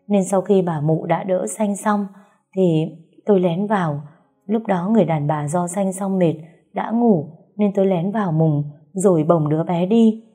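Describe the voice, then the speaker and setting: A woman's voice: fairly low pitch, warm tone, slightly rough. A woman voicing a frightened female household servant who stammers as she confesses. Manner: trembling, stammering.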